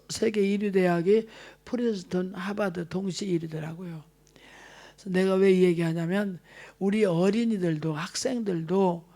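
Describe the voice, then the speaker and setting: A woman's voice: mid-range voice, a little mellow. A woman in her sixties from South Korea, preaching a sermon as an evangelist, earnest and exhorting. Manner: earnest, exhorting, acts out quoted family talk.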